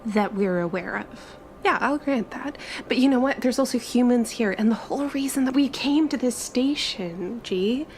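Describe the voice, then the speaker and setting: Lady doing an excitable young girl traveler, higher voice, chatty and gushing, faint ambience behind. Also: normal speed, few pauses, a little hiss or hum, natural voice. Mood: chatty, teasing. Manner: gushing, informal, stop-start excitable chatter. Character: eager, chatty, wide-eyed young woman traveler, affectionate. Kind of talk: tabletop roleplay acting.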